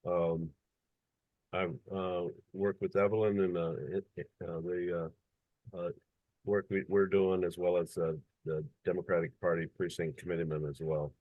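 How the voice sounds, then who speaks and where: Halting low-voiced man, stammering. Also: little pitch movement, no room sound, narrow, tinny audio. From Illinois, US. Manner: halting, many stammered restarts and "uh"s. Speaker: workshop participant, precinct committeeman. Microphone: video call.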